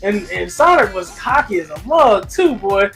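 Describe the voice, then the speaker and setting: A man co-hosts a casual fan review. He rambles excitably in slangy, conversational phrases. Soft music sits behind his voice. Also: high-pitched, moderate pace, vocal fry. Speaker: movie review co-host.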